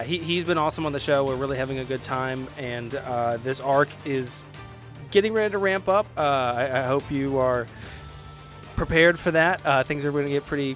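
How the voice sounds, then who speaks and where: The friendly guy who closes out a hobby podcast, mid-pitched and upbeat, chatting to listeners over a soft music bed. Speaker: podcast host. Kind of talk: casual podcast outro.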